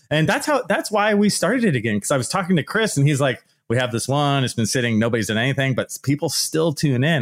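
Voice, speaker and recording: A man speaks with a West Coast American accent and a fairly high pitch, his pitch swinging very widely. The recording is very clean with a silent background, dry and close with no echo. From California, Bay Area. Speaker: archaeologist and podcast host. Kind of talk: casual interview chat.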